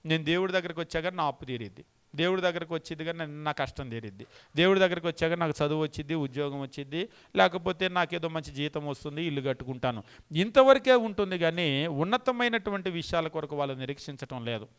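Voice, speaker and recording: A man's voice: a little high, expressive, quick pace, a bit bright, smooth. A man preaching a sermon, emphatic and repeating key phrases, asking the congregation pointed rhetorical questions.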